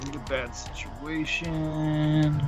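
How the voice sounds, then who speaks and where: A man's voice: fairly high pitch, steady tone, takes it slowly, muffled recording, over music. A man playing in a tabletop roleplay game, chatting casually and speaking for his character. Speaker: player in a tabletop roleplay podcast.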